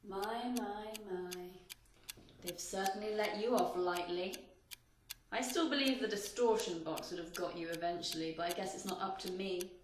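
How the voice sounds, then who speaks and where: A woman's voice: medium pitch, normal speed, natural voice. An actress playing a mocking female watcher who speaks in a sardonic, taunting way. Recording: echoey room with noise behind.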